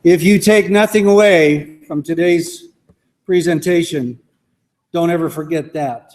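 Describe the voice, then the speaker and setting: College president guy giving a speech, kinda high but mellow voice, earnest, big hall echo. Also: a little slow. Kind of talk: formal public address. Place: large civic hall. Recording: hall with long reverb.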